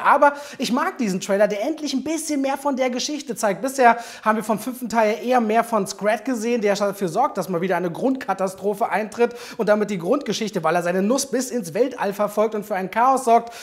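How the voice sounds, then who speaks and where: A young adult woman hosting a chatty video commentary as a film trailer reviewer. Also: fairly high pitch.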